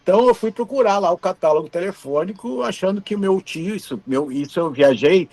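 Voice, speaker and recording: Give me a man in his fifties from Brazil telling animated anecdotes in an interview, with a lively, high-pitched voice. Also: a little fast. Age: 50s. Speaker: guest, TV camera operator. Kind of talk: storytelling interview.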